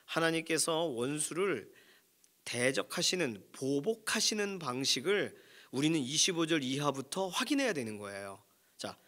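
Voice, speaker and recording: A man's voice: on the high side, fairly bright tone. A man preaching a dawn sermon as pastor, asking rhetorical questions and pressing each point with emphasis. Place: church prayer room.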